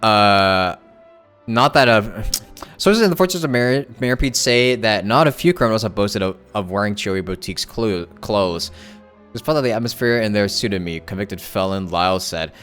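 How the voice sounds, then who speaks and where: A man's voice: on the low side, a bit bright. A man livestreaming a game, reading text aloud with stumbles and reacting in casual, slangy commentary.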